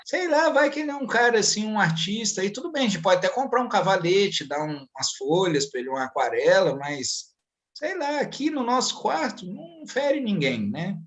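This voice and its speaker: Blunt man on a video call, high-pitched, profane and animated, casual chat. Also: moderate pace. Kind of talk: casual panel conversation.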